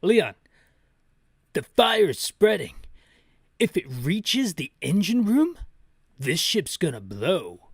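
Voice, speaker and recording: A man's voice: high-pitched, very animated, slow, pauses often, breathy edge, no room sound, clean studio sound, heavily acted. A man voicing a frightened young girl in a survival horror video game. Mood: alarmed. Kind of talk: dramatic video game dialogue read-aloud.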